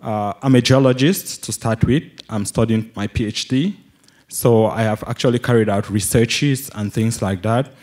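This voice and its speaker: A man's voice: on the low side, a little mellow. A young man from Cameroon with a Cameroonian accent, commenting from the audience as a student, in an explanatory way. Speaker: audience questioner, geology PhD student. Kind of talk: question and comment from the floor.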